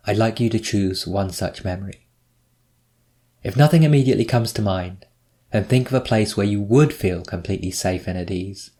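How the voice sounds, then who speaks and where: A man narrating a scripted guided meditation, giving measured, instructive prompts with pauses between them. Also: fairly low pitch, mellow.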